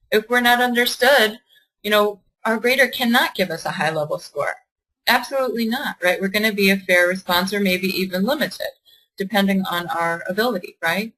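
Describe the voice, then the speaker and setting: Woman, young adult, test prep tutor, encouraging, bright, clear tone. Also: medium pitch, poor audio. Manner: encouraging, asks the class questions and reads out their answers. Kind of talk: online class teaching.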